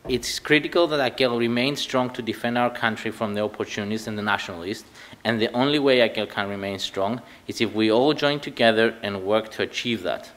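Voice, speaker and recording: A man's voice: fairly low pitch, fairly quick, fairly bright tone. Earnest Cypriot man giving a speech. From Cyprus. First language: Greek. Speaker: party speaker. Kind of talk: prepared political speech. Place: commemoration event.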